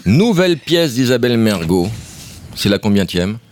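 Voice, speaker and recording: A man's voice: medium pitch, very animated, normal speed, a crowd in the background. A man hosting an irreverent comedy radio show, bantering, mocking and cutting in. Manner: teasing, mocking, interrupting.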